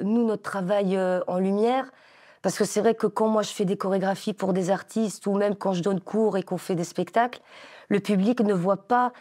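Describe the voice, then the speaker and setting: A woman's voice: medium pitch, dark tone. A woman in her forties, a dance teacher, answering interview questions enthusiastically with many hesitations and fillers. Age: 40s.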